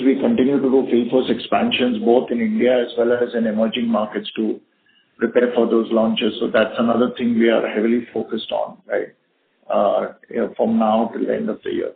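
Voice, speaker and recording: Exec guy on an earnings call, phone sound, halting, keeps adding right? after stuff. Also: mid-range voice, vocal fry, a little hiss or hum. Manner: halting, often tags statements with "right?". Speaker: company executive answering questions. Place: conference call. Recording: narrowband phone conference line.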